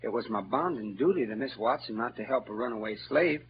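A man's voice: fairly high pitch, sing-song, brisk, background noise. An actor playing Huck, a clever boastful frontier boy with a rural Southern dialect, in an old-time radio drama. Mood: troubled. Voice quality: bright, showy, know-it-all delivery. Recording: dull lo-fi old radio recording with music.

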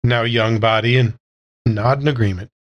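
A man takes part in a tabletop roleplaying game as a player. He speaks in a medium-pitched voice, casually slipping in and out of character with dry understatement. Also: fairly even intonation, moderate pace, highs cut off.

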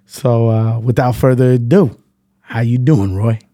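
A man's voice: medium pitch, unhurried, dark tone, no echo, studio quality. A man hosting an interview in an office, talking in an easygoing, slangy way with lots of hype. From born in the Bronx. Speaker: podcast host. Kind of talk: casual interview chat. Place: high-rise office.

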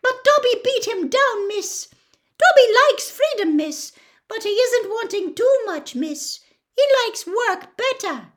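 A woman voicing a nervous, devoted male house-elf from a storybook, with a squeaky voice and servile third-person speech. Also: very animated, slow, full character voice. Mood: eager.

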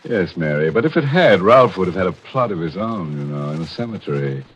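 Very deep, gleefully macabre American horror host. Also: male voice, very animated, fairly quick, a little hiss or hum. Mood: sardonic glee. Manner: sardonic, theatrical, chuckling. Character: gleefully macabre male horror-show host cracking grim puns. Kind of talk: 1940s radio horror hosting. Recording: dull vintage radio recording.

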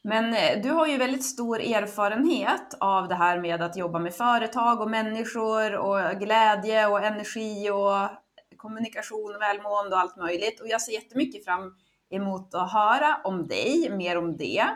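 A woman hosting a podcast, putting questions slowly and carefully in a casual interview. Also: medium pitch. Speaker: podcast host.

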